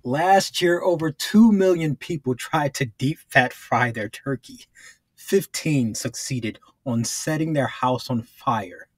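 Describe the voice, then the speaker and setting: A man's voice: medium pitch, slow, husky, no echo. A man reading commercial voice-over scripts in a polished announcer delivery. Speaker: voice-over artist.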